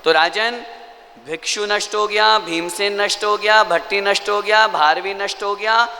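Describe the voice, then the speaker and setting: Pleading poet, told by a male preacher: earnest, bright, slightly raised. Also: high-pitched, fairly even intonation, measured pace, big-room sound.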